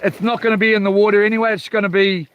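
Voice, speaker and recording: Speaking in a high, level, rapid-fire voice, a man with a broad Kiwi accent hosts a fishing livestream from a small boat at sea, rambling hesitantly in slangy, informal language. The audio is narrow and tinny, with faint water and boat sounds outdoors.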